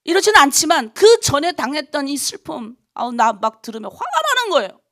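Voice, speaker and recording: A woman's voice: high-pitched, big pitch swings, a little fast, a bit bright. A middle-aged woman pastor preaching a dawn prayer sermon, appealing to her congregation with heated rhetorical questions. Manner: impassioned, rhetorical questions to the congregation, quoting others in voices. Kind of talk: early-morning prayer sermon.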